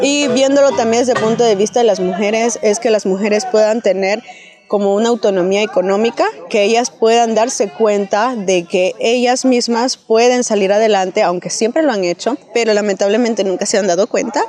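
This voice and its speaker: A woman's fairly high voice at a moderate pace, with ordinary pitch variation, very even loudness and hardly any pauses, over music in the background. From Guatemala, Verapaces. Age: young. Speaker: peasant organization member. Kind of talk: interview.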